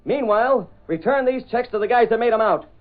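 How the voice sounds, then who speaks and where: A brash young newsman in an old radio drama, pushy and fast-talking. His voice sits high, and the sound is thin and tinny like an old broadcast disc. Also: animated. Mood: aggressive. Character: brash young male newspaper reporter. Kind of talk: 1930s radio drama acting.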